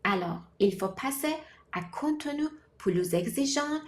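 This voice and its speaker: A woman who learned French as a second language, giving a scripted, measured talk as a language-learning vlogger. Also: a little high, expressive. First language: not French. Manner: measured, deliberate delivery in short listed phrases. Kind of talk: scripted explanatory monologue.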